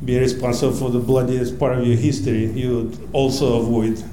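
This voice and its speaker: A man speaks from the audience in a mellow tone. His comment comes through an echoey venue PA with faint noise. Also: medium pitch, level tone, fairly quick. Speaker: audience member at the microphone. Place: live show venue.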